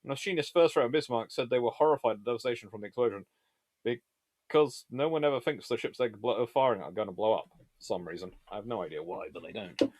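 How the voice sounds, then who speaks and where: In a casual live session, a host responds to viewer questions about naval history, rambling discursively and often revising what he just said. His mid-range voice is slightly mellow and fast-paced, with no echo.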